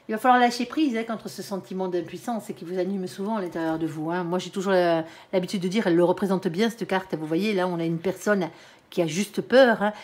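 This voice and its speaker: A woman's voice: mid-range voice, a little mellow. A woman with a regional French accent giving a casual tarot reading, chatty and blunt, tagging "hein" onto nearly every phrase. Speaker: tarot reader.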